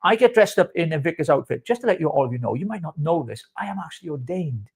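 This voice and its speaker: A man's voice: fairly high pitch, big pitch swings, quick pace, a little mellow, slightly rough. A middle-aged man with a Welsh accent, co-hosting a casual live-stream chat in a rambling, jokey way. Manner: rambling, jokey, self-interrupting. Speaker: co-host.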